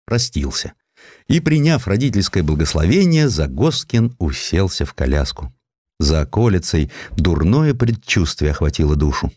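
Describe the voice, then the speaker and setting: A man narrating a historical literary sketch as an audiobook, with an expressive, theatrical delivery. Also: low-pitched, moderate pace, no room sound, studio quality.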